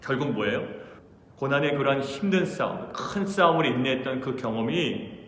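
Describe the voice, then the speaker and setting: A man's voice: medium pitch, expressive, moderate pace. A middle-aged man preaching an early-morning sermon as pastor, telling stories and acting out the voices of the people in them. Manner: storytelling, acting out quoted voices. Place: church sanctuary. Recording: echoey church hall with faint noise.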